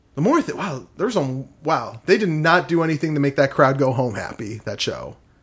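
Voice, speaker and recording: With an American accent, a man talks at a fairly quick pace with hardly any pauses. His voice is fairly high in pitch and somewhat breathy. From Michigan. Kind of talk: casual chat.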